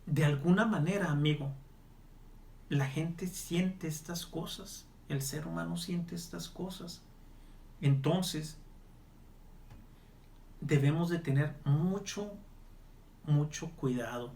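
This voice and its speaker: A man's voice: on the high side, slow, creaky, long pauses, a little mellow. A male evangelist pastor leading a televised Bible study and prayer, earnest and pleading as he speaks straight to the listener.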